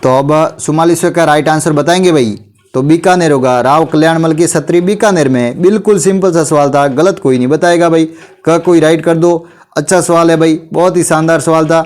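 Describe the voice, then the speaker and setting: Guy teaching a quiz class, kinda sore throat, a bit high voice, keeps saying bhai. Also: fairly even intonation, darkish tone. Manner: repeats "bhai", urges students to answer quickly.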